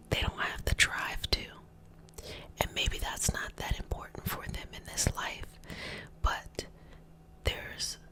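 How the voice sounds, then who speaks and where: A woman whispers breathily in an ASMR style, with a bright, crisp edge to the whisper. She talks like a healer hosting her community, gently encouraging and affirming the listener. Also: very high-pitched, rough recording. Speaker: ASMR host and energy healer. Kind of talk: whispered ASMR motivational talk.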